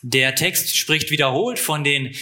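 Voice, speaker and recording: This man works as a live interpreter and turns each phrase around quickly. His voice is bright and sits a little high. His delivery stays matter-of-fact, with occasional filler sounds.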